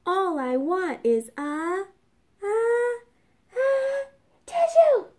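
A woman's voice: wildly swooping pitch, drawn-out words, heavy background noise, full character voice. A woman voicing a sniffling male wolf with a bad cold, pleading in a whiny, teary voice. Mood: sniffly pleading. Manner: whiny, teary pleading that rises to a high wail.

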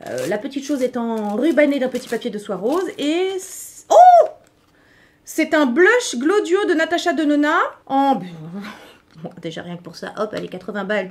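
A middle-aged woman chatting casually as a beauty vlogger unboxing products, talking to her viewers with frequent fillers and restarts. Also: a little high. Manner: playful asides to viewers.

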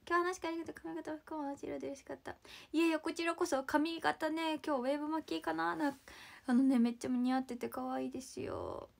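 A woman's voice: high voice, steady tone, fast, gravelly. A young woman from Saitama chatting casually on a livestream, bubbly and chatty, thanking viewers by name and sometimes dropping into a whisper. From Saitama, Japan. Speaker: idol livestreaming and reading viewer comments.

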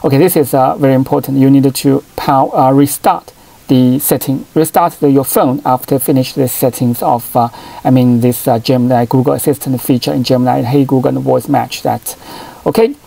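A middle-aged man, a native Chinese speaker, giving a hands-on phone tutorial at a desk, talking haltingly with lots of fillers and restarts. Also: mid-range voice, fairly even intonation, creaky, mellow, poor audio. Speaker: tech channel host. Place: desk at home, in front of a computer.

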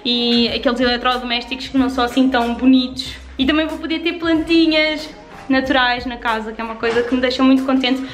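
A young woman in her twenties with a European Portuguese accent, chatting upbeat through a house tour vlog, filmed on a handheld camera in an empty flat. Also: high-pitched, fast talker, echoey room, soft background music. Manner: chatty and upbeat, fond of diminutives. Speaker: vlogger. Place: empty renovated flat indoors. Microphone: handheld camera at arm's length.

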